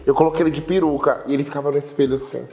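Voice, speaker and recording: Here a Bahian guest in his twenties, an internet personality from Salvador, Brazil, talks rapid-fire in a voice on the high side, his strong accent clear. He's animated, telling stories and gesturing with his hands during a casual interview. Faint music sits behind him in an echoey indoor studio room furnished with a sofa.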